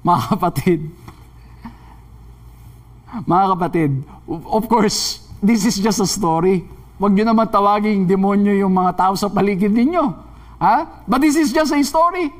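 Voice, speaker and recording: A man's voice: high-pitched, measured pace, pauses often. A man with a Filipino accent preaching a sermon, earnest and exhorting, repeating his points. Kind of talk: sermon mixing Tagalog and English.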